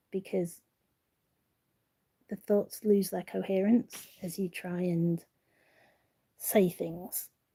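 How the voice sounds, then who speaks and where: Somewhat breathy, a woman speaks at a medium pitch. Her tone is dark and mellow. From England, Derbyshire. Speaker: poet. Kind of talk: casual chat. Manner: halting; hesitant.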